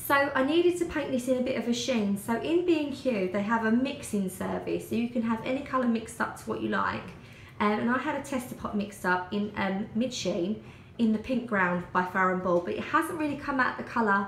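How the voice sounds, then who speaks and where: A woman talks at a fairly quick pace. There is light background noise and audible room echo. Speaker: home decor vlogger. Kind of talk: casual vlog chat. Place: kitchen. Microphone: phone near.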